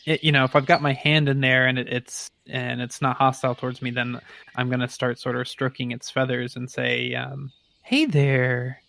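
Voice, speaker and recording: A man's voice: medium pitch, flat delivery, a little fast, gravelly, sharp tone. A man talking casually as a player in a tabletop role-playing game, explaining his character's actions. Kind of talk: casual actual-play game talk.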